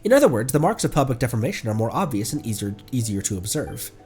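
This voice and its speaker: A man voicing an earnest, pedantic academic who lectures in a halting way. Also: medium pitch, sing-song, darkish tone, faint music behind, lightly acted. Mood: earnest, lecturing. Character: earnest, pedantic young academic of marine bones.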